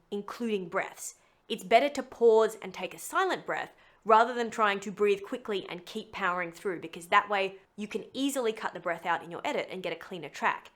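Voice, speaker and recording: A woman with a mid-pitched voice presents a scripted how-to. She is chatty and playful, slipping wry asides into her instructions as a voice actor teaching her craft. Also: fairly bright tone. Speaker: voice actor giving a tutorial. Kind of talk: scripted tutorial narration.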